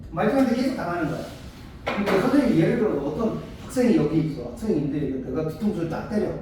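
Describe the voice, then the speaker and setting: A man's voice: sits high, expressive, fast. A man teaching a Korean literature class, often checking in with students and acting out little scenes to explain. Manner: asks students frequent check-in questions; acts out short dialogues to explain. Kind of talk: classroom lecture. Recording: echoey room, mic far off, faint noise.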